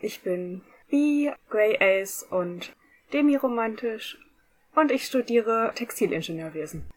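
A young woman from Germany, a student and guest on a podcast, introducing herself deliberately. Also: on the high side, animated.

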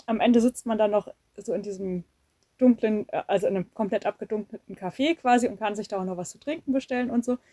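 A woman's voice: medium pitch, dark tone, no echo, studio quality. A woman co-hosting a casual podcast, telling an anecdote with hesitant fillers. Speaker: podcast co-host.

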